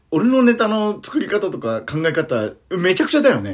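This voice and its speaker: High pitch from a man, swinging very widely up and down. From Okinawa, Japan. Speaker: comedian. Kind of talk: casual chat, comedy talk. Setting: remote, recorded from own home.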